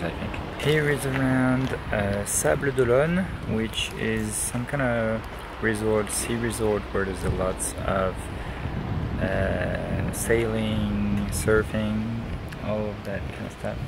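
A man's voice: lowish voice, vocal fry. A young man chatting casually as a travel vlogger, thinking aloud and hesitating, recorded outdoors on a camera-mounted mic. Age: young adult. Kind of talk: casual vlog chat. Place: outdoors, by roads and seafront. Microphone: camera-mounted mic at arm's length. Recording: outdoor recording with loud wind and traffic noise.

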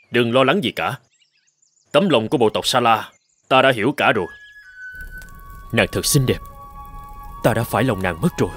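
A man playing a proud young tribal warrior posing as a god in an animated folktale, commanding and protective. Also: mid-range voice, natural voice. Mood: troubled, smitten. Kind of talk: dubbed animated folktale acting.

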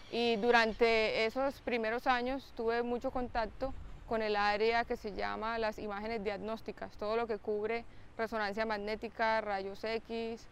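A young woman explains her work to camera in a clear, patient way, now and then pausing on an "eh". Her voice sits a little high. She is recorded outdoors by a lake, with a faint hum of open air behind her. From Colombia. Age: young adult. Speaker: biomedical engineer. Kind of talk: to-camera interview. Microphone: close mic, framed head-on.

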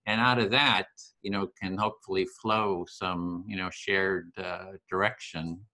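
A fairly low-voiced man speaks over a video call, earnest and enthusiastic. He talks in a casual, searching way, often restarting his phrases. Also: fairly even intonation, measured pace, sharp tone. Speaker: host of empathy circle series.

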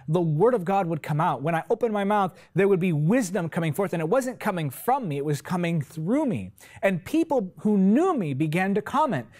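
A man's voice: sits high, a little mellow. Impassioned young male TV preacher. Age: 20s. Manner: impassioned, emphatic, with repetitive phrasing and big hand gestures. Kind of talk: sermon. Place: TV studio set, indoors. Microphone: lapel mic.

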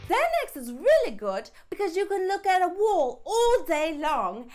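Comedy sketch: a woman as an intense lady adviser, high and animated, drawing out words emphatically. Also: unhurried, soft background music, exaggerated voice. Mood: manic, advising. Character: intense woman advising pills for blank, beautiful skin.

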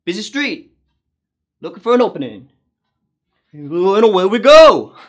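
A man's voice: high voice, sing-song, unhurried, full character voice. A man playing an overeager, awkward rideshare driver in a comedy sketch, making nervous, stop-start small talk. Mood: eager, awkward. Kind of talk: comedy character monologue.

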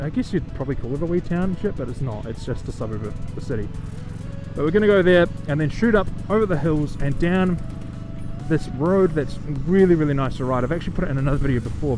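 A man with a New Zealand accent chatting casually to viewers from inside a motorcycle helmet as he rides. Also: medium pitch. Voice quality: muffled closeness of speaking inside a helmet. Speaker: motovlogger. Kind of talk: casual chat to viewers while riding. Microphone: microphone inside the helmet. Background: music.

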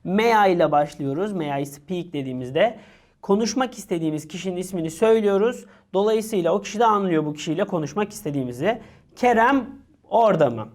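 A woman teaching an English lesson for exam prep, reading each English phrase slowly and then explaining it. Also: on the low side, animated, a little mellow. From Turkey.

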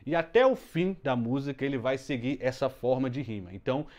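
A man's voice: mid-range voice, animated, brisk, a little mellow. A man in a mid-range voice gives a casual music lesson from a room at home. He explains step by step, often restarting words and adding fillers as he goes. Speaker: music teacher. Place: room at home with the window closed. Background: children heard from outside.

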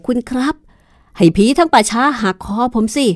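A woman's voice: on the high side, animated, moderate pace, dry recording, clean studio sound, voice pushed up, natural voice. A woman voicing an older male head gravedigger who speaks politely and earnestly. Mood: pleading.

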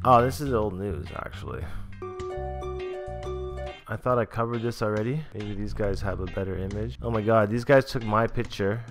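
A man's voice: fairly low pitch, normal speed, over music. A young man hosting a casual vlog, chatty and laid-back, talking from a small room at a desk mic. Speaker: vlogger reviewing dreadlocks.

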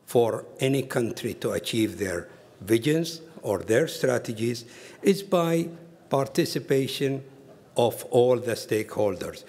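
A man giving a conference presentation at a podium, with hesitant phrasing and frequent pauses. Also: medium pitch, a little mellow. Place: large conference hall. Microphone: podium microphone. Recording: long hall reverb.

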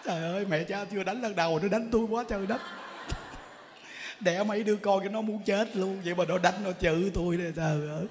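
A man's voice: sits high, quick pace, long reverb tail, slight background noise. A man voicing a tearful young wife who pleads with her monk teacher for help. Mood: pleading, tearful.

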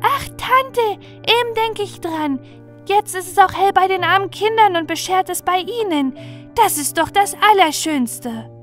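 Woman voicing a sweet, high-pitched little storybook girl. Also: animated, a little slow, soft background music. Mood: delighted. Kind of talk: storybook character voice.

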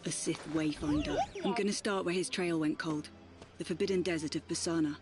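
An actress voicing a determined young warrior heroine in a video game, earnest and resolute. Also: female voice, deep voice, steady tone, a little fast, background noise, natural voice. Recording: loud music over the voice.

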